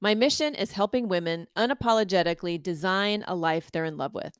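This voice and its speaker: A woman's voice: on the low side, a little fast, clear, resonant tone, dry recording, studio quality. A woman podcast co-host and empowerment coach giving an upbeat, scripted self-introduction.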